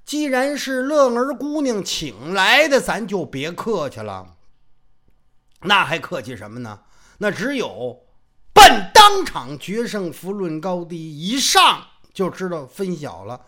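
A male storyteller narrating a traditional martial-arts tale in colloquial, joking style. His voice is bright and sharp, with very lively pitch swings. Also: slow pace. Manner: animated, colloquial, joking asides.

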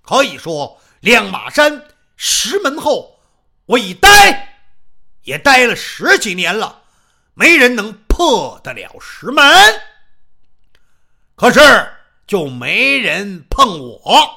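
A storyteller voicing a burly, boastful mountain guardian with a loud, hollow, booming voice who declaims and blusters. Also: wildly swooping pitch, takes it slowly, vocal fry, pauses often, heavily acted. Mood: declaiming. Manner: blustering, declaiming, laughs heartily.

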